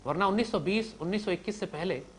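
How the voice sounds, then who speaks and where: Talking fast, a Pakistani Urdu-accented man gives young students a passionate religious lecture, alternating loud declamation with quiet asides. Slight background noise can be heard.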